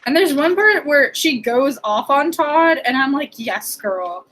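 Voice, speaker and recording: A woman's voice: high-pitched, expressive, unhurried, a bit bright, rough recording. A young woman in a casual book chat, often quoting and acting out lines as she talks. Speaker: book discussion co-host.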